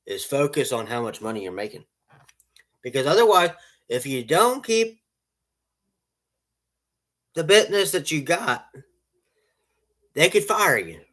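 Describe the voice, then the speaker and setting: A man's voice: mid-range voice, a bit bright. Man, lawn care business owner, casual vlog advice, rambling, repeats himself, restarts.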